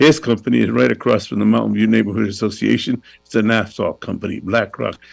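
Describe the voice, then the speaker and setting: This man's voice sits at a medium pitch. Vocal fry runs through it. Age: 70s. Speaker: neighborhood association president. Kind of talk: public comment. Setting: video call. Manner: halting.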